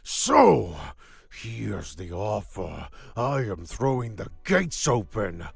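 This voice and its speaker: A man playing a bloodthirsty swamp werewolf wrestler, gravelly and raspy, delivering a menacing, taunting challenge promo. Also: fairly low pitch, huge pitch swings, slow pace, dry recording, clean studio sound, full character voice.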